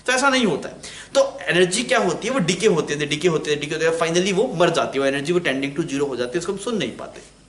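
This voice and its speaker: A man's voice: a little high, animated, fast, fairly bright tone. A man teaching physics in an online lecture, chatty, asking the class questions and answering them himself. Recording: echoey room.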